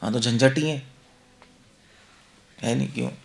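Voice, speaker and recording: An unhurried male monk with a medium-pitched, creaky voice teaches scripture conversationally. His devotional talk blends Hindi and English and is peppered with rhetorical questions to the audience.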